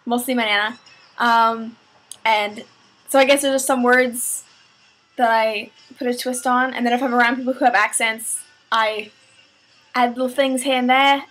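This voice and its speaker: A woman's voice: on the high side, a bit bright, poor audio. A young woman with a Canadian accent, rambling casually in a vlog with lots of fillers and restarts. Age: young adult. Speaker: vlogger.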